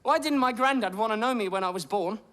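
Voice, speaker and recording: An actor playing a shy, earnest young working-class man who speaks in a hesitant, halting, sincere way. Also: high voice, fairly bright tone. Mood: puzzled. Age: young adult.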